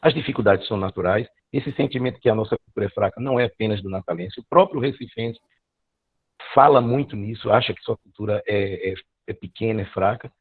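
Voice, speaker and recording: A middle-aged man, giving a formal thesis presentation over a video call, with halting speech and many hesitations. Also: fairly low pitch, husky, dry recording. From Northeastern Brazil. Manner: halting, frequent filler hesitations and restarts. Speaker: law student presenting his thesis. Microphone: computer mic on a video call. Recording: tinny dry video-call audio.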